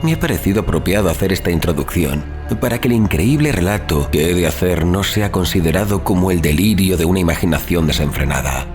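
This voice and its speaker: An actor playing a grave, rational, educated traveler telling his story in solemn, measured, formal literary narration for an audio drama. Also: low-pitched, lively intonation. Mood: grave, confessional. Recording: music playing behind the voice. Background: background music.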